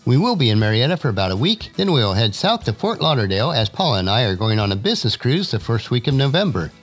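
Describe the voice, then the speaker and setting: An earnest male podcast host speaks in a mid-pitched voice that rises and falls with lively movement. His delivery is preacherly and carefully scripted, with faint music playing softly behind him. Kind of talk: scripted motivational podcast monologue.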